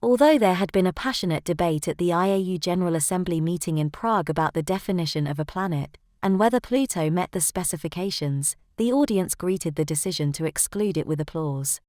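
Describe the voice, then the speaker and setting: A woman's voice: lowish voice, a little fast, few pauses, a little mellow, no echo, studio quality. A woman reading a prepared passage aloud as scripted narration. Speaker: model reader for an English exam lesson.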